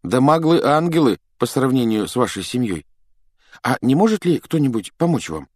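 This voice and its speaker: A man voicing a polite, anxious teenage boy wizard in an audiobook, speaking in hushed, urgent, apologetic tones. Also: medium pitch, big pitch swings, moderate pace, no echo, pitched above the performer's own voice. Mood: earnest. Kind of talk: audiobook character voice.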